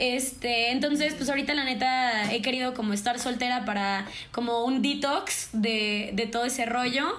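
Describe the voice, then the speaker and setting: A woman's high-pitched voice at a moderate pace with hardly any pauses, with audible room echo. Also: ordinary pitch variation, very even loudness. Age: 20s. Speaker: content creator. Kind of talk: casual chat.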